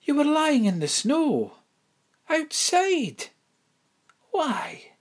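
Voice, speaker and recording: A man's voice: very high voice, huge pitch swings, extremely slow, pitched above the performer's own voice, heavily acted. A man voicing a prim, genteel headmistress who coaxes and fusses in a storybook reading. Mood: surprised. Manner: genteel, coaxing, fussy. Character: prim genteel headmistress, woman, persuasive and sympathetic. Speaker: school headmistress.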